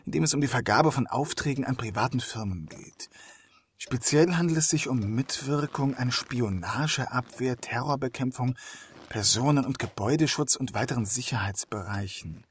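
A man's voice: mid-range voice, moderate pace, husky. A man playing a dogged, sardonic detective inspector in a German crime audio drama, speaking in a pointed, pressing way. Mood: reading out.

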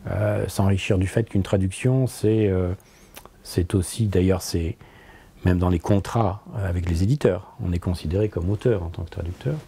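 Man, 60s, native French speaker, interview guest; low, dark, husky tone; reflective, hesitant delivery. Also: steady tone. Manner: thoughtful, halting, frequent repetitions and hesitations. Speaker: interviewee, philosopher and translator. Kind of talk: conversational interview. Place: book-lined office, indoors.

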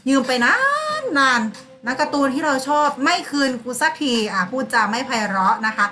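A woman's voice: sits high, expressive, normal speed, sharp tone, faint music behind. A woman teacher giving a lesson to primary school pupils, calling on them by name and acting out sample replies. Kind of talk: online class lesson.

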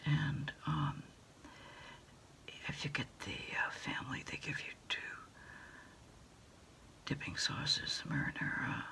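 A middle-aged American woman whispering softly and haltingly in a quiet ASMR roleplay, politely taking orders as if on the phone. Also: sits low, very animated. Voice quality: breathy whisper with fry. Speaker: ASMR performer playing a takeout order taker. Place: small dim indoor desk space.

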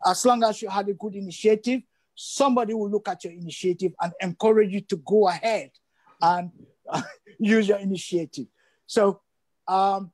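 A man's voice: sits high, a little mellow. An older man from Sierra Leone, a guest on a video call interview, speaking emphatically and repeating phrases for stress. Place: indoor room at home.

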